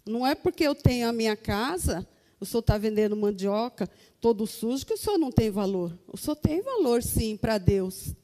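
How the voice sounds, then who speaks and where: A woman's voice: a little high, animated, moderate pace, mellow, big-room sound. A Brazilian woman giving an earnest testimony to a congregation, calling her listeners brothers. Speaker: church member giving testimony.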